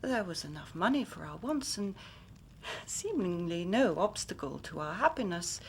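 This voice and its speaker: An actress playing a grave young Victorian woman who tells her story in measured, formal speech, sometimes dropping to a hushed whisper. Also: fairly low pitch, big pitch swings, slight background noise. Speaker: client telling her story. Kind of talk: period radio drama acting.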